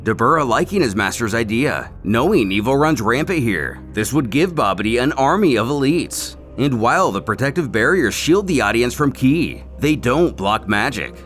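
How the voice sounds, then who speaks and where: A man giving a scripted story recap as a narrator, in a dramatic, animated storytelling manner. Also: mid-range voice, moderate pace, few pauses, faint music behind. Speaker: narrator of a fan comic recap series.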